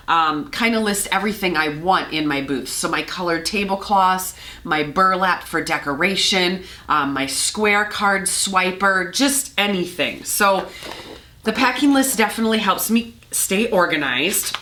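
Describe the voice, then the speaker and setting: A middle-aged woman talks casually and a little scratchily, hoarse from a cold. Her tone stays bright and forward despite the rasp. She is chatty and organized, dotting her sentences with ums and uhs. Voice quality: scratchy, slightly lower than usual. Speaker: flower farmer and vlogger. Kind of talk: casual vlog walkthrough.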